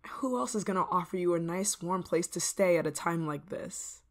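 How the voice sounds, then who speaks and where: A woman voicing an obsessive, controlling neighbor in an ASMR roleplay, soft-spoken and slipping into whispers with a sweet, creeping menace. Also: on the low side, moderate pace, close to an everyday voice. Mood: coaxing.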